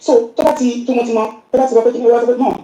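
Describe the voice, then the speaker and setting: A woman's voice: on the high side, little pitch movement, rapid-fire, warm tone. A middle-aged woman with a Yoruba accent, sending an earnest voice message that is played on the show and mixing English into her talk. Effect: recorded voice message played on the show. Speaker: caller sending a voice note. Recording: roomy voice message.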